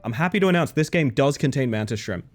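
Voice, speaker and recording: A man streaming a video game, slightly hoarse, talking to his chat in an animated, joking way. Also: medium pitch, quick pace, soft background music. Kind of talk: casual live-stream chat.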